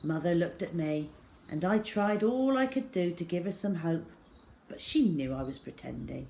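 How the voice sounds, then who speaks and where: A woman reading a children's book aloud as an expressive storyteller, with measured, dramatic phrasing. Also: lowish voice. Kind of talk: expressive storytelling, scripted narration. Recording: clear background noise.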